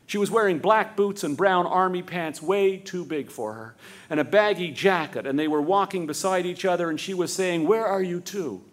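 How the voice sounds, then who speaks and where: A man telling a story on stage as the show's host, stacking long run-on sentences and slowing to a hush for the tender moments. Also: sits high. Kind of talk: live storytelling narration.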